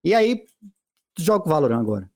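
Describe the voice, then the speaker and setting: Lively swooping pitch, excited casual talk, quick interjections. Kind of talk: casual chat.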